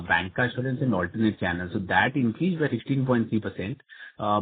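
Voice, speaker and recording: Husky Indian male analyst on phone. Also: medium pitch. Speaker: analyst asking questions. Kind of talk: polite conference call questioning. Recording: tinny phone-like line.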